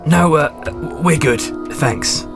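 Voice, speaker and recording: A man's voice: a little high, drawn-out words, gravelly, music in the background, full character voice. An actor playing a jittery, suspicious, hesitant male guard in an audio drama. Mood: wary, hesitant.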